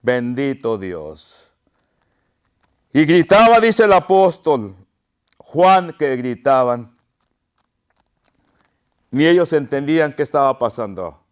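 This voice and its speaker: A man's voice: medium pitch, sing-song, slow pace, long pauses, smooth. A pastor preaching an impassioned sermon to his congregation, crying out pleas and calling them his brothers.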